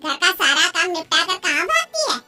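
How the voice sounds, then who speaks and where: A woman's voice: very high voice, sing-song, normal speed, bright, forceful tone, faint music behind, exaggerated voice. A woman doing a scolding village mother-in-law. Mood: teasing scold. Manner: scolding, folksy village speech.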